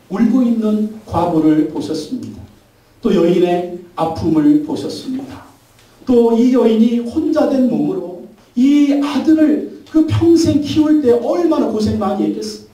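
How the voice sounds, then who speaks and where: A man's voice: sits high, warm tone. A man preaching a Sunday sermon as pastor, with fervent repeated phrases, recorded in a church. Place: church sanctuary. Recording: echoey church hall from far off.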